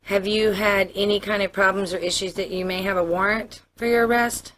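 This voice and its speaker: A woman's voice: mid-range voice, fairly even intonation, brisk, a bit bright. An American woman, a police officer, explaining procedure to a suspect in a matter-of-fact interview manner. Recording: noisy interview room audio.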